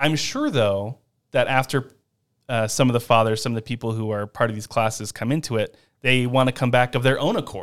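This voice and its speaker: In a very clean recording with a silent background, a man speaks in a normal speaking voice at medium pitch, fairly quick, with fairly even intonation. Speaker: podcast host. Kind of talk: interview, scripted intro and casual questions.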